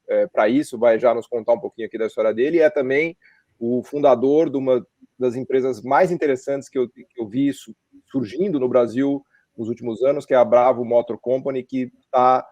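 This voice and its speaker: A man's voice: mid-range voice, warm tone, dry recording. A man hosting a podcast interview, talking in a conversational way and often adding tag questions. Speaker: podcast host. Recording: dry, dull lo-fi sound.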